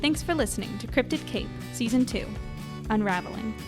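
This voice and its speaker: A woman's voice: on the high side, animated, brisk, music in the background. A woman hosting a podcast, reading scripted credits as its creator.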